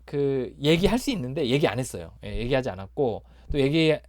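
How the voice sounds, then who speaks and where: A man tells a personal recovery story in a plain, mid-pitched voice. He speaks haltingly and fills pauses often, restarting his sentences. The sound is dry and close. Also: very animated, a little mellow, dry recording. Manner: halting, many fillers and restarts. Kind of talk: personal testimony talk.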